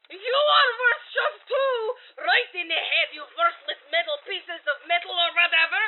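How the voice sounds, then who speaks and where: A woman's voice: very high voice, slow. An actress playing a hot-tempered, cocky businesswoman with a Russian accent in an audio drama, brash and exasperated. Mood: scheming, irritable. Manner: brash, exasperated, clipped grammar. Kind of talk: full-cast audio drama acting. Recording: tinny phone-like broadcast with faint noise.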